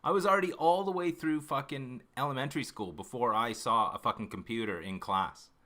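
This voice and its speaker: This livestream host is a Canadian man in his 50s with a mid-range, sharp voice and a fairly quick pace. Casually addressing his stream audience, he rambles, breaks off mid-thought, and curses constantly.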